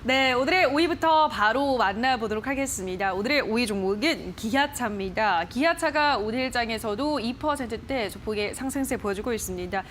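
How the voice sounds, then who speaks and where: A woman's voice: fairly high pitch, animated, moderate pace, hardly any pauses, a little hiss or hum. A woman hosting a TV stock program, reading viewer posts aloud and questioning an expert in a chatty broadcast manner. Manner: bright, chatty, reads posts aloud with playful voices. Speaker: stock show host. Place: TV studio.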